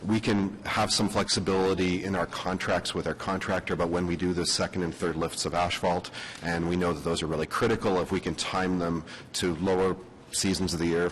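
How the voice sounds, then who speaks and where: A man speaks low, his voice weak, thin and strained as if it could give out. He answers in a formal meeting as a city official, with some background noise. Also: level tone, brisk, a bit bright, poor audio. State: weak, failing voice. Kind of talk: answering questions at a committee meeting. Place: committee meeting room.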